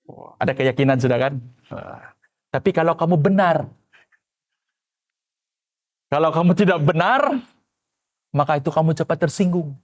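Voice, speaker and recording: A man preaching a sermon as pastor, animated, firing rhetorical questions and acting out quoted voices. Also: a little high, moderate pace, long pauses.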